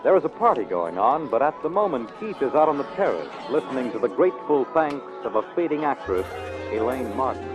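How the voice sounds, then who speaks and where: A man's voice: mid-range voice, big pitch swings, fairly quick. Male old-time radio announcer over music. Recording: muffled old radio recording.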